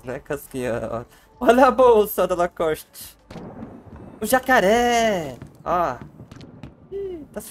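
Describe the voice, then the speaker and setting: A man with a Brazilian Portuguese accent, giving playful, joking gameplay commentary on a livestream and talking to his chat. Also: high voice. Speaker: game streamer.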